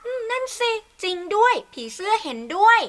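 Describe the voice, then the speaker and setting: A woman's voice: very high-pitched, a little fast, fairly bright tone. A woman voicing a prim, ladylike butterfly in a children's storybook play, fussing and chiding. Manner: fussy, lady-like.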